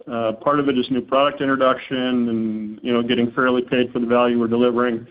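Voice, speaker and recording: A man's voice: medium pitch, flat delivery, quick pace. A man speaking as a company executive on an earnings call, answering questions informally and often repeating words as he goes. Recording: narrow phone-like conference line.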